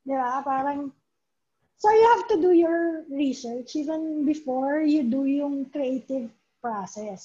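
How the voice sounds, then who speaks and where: Chatting as a guest in a casual interview, this comics writer from the Philippines has a high, mellow voice. She mixes English with Tagalog and frequently asks "di ba?", heard through a dull lo-fi recording.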